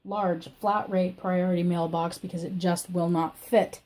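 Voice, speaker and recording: A woman with a scratchy, croaky voice from illness, hosting a crafting channel. She gives a rambling, chatty personal update from her home craft room. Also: fairly low pitch, flat delivery, measured pace, darkish tone. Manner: rambling and chatty, with many fillers. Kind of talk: casual personal update chat.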